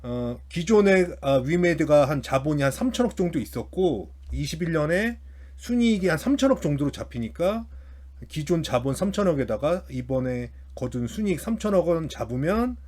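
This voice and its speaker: Higher-voiced man giving unscripted financial commentary. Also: sing-song, normal speed, darkish tone. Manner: hesitant, repeats and restarts phrases. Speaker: host of a finance commentary channel.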